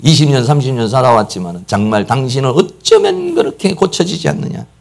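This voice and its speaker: A man's voice: medium pitch, sing-song, fairly quick, gravelly. A man acting out an exasperated, bitter aging spouse complaining about a partner in a sermon.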